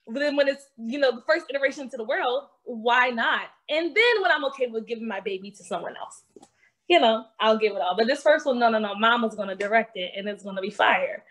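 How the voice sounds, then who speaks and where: A woman writer-director with a fairly high voice, talking earnestly and with warm encouragement. She drives her points home by repeating them, in a casual panel style. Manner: earnest, encouraging, repetitive emphasis.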